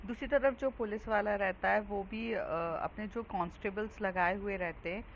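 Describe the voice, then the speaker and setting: A woman's voice: medium pitch, moderate pace, gravelly. A woman narrating a romance story in a casual, conversational way, with frequent fillers. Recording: dull lo-fi with faint hiss.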